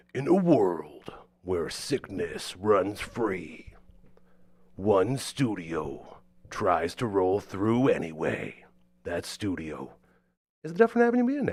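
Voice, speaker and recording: A raspy, put-on character voice from a man, fairly low-pitched and dramatic in tone, with lively intonation, a fairly slow pace and long, frequent pauses. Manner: dramatic voiceover.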